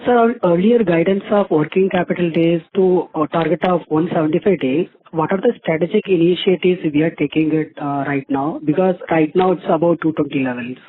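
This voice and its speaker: A man's voice: on the high side, a little fast, hardly any pauses, breathy edge. A man with an Indian accent, politely putting questions as a caller on a conference call over a phone line. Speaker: investor caller asking questions. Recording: muffled, thin phone line.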